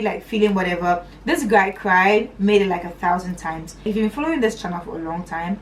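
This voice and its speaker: A woman's voice: distant mic, slight background noise, rough recording. Chatty young woman telling a story. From Northern Nigeria. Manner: chatty and animated, pitch swinging high and dropping to low asides. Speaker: vlogger. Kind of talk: storytime vlog.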